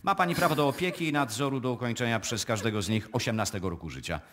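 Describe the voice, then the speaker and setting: An actor playing a formal, matter-of-fact notary in a live radio play. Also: male voice, medium pitch, fast, crowd noise, lightly acted. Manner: formal, unmoved.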